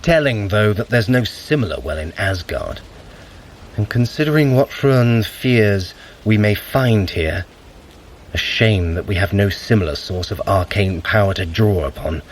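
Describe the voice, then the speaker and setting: An actor playing a wry, haughty trickster god in an audio drama, speaking with dry sarcasm and formal, eloquent phrasing. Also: male voice, fairly low pitch, expressive, measured pace, slight background noise, low-quality recording. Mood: wary, brooding.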